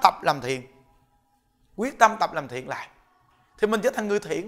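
High male voice with very wide pitch swings. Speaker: Buddhist monk giving dharma talk. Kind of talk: sermon.

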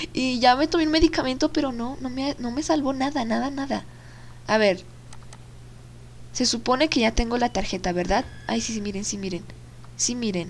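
A woman with a high pitch speaks at a moderate pace and lively intonation. She leaves long, frequent pauses. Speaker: gaming youtuber. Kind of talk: gameplay commentary. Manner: animated.

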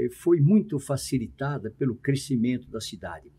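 Fairly high male voice, somewhat breathy, with a dark, mellow tone. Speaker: pediatrician. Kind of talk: interview. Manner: halting. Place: studio. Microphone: studio mic.

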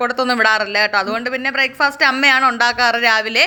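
A woman's raised, projected voice with a bright, sharp tone. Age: 20s. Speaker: vlogger, housewife. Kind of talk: casual vlog narration.

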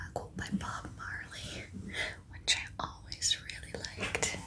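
A woman whispering at a very slow pace. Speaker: ASMR creator. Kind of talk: ASMR whispered talk to camera. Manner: whispered, soft-spoken. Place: home room.

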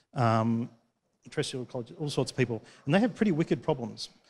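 A man talks in an Australian accent. His voice sits at a medium pitch. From rural Australia. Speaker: engineering professor. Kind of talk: panel talk. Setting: gallery with audience. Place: hall. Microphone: handheld.

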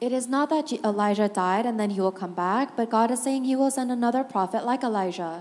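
A woman speaks in a normal speaking voice, fairly high-pitched with ordinary pitch variation, at a moderate pace with very even loudness and hardly any pauses. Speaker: English interpreter. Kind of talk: consecutive interpreting of a sermon. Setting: church.

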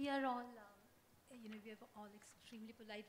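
A woman with a fairly high pitch and ordinary pitch variation speaks at a moderate pace in a somewhat breathy voice over light background noise. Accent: Indian. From India. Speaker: novelist and poet. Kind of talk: panel discussion with poetry readings. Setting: stage with audience. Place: stage. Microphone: handheld.

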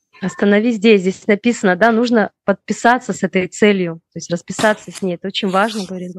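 With a dry sound and no echo, a woman rushes along at a very fast pace with hardly any pauses, fairly even intonation and big swings in loudness. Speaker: interpreter. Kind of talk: consecutive interpreting. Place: home room. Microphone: video call.

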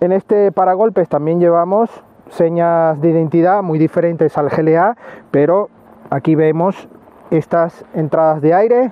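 A man with a high pitch, fairly even intonation, and very even loudness, in a dry sound with no echo. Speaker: car reviewer. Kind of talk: car review walkaround commentary. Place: open country.

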